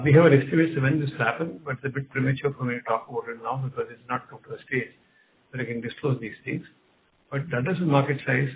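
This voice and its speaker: A man with an Indian accent, a company executive giving unscripted answers on an investor call, often repeating and rephrasing his phrases. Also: medium pitch. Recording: narrow phone line, clear background noise.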